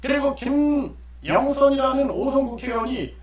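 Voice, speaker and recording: High-voiced emphatic middle-aged man, echoey. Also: moderate pace, a crowd in the background. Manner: emphatic, repeats key phrases, frequent affirming fillers. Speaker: political commentator and channel host. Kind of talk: lecture-style political commentary. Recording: roomy echo, distant mic, dull lo-fi sound.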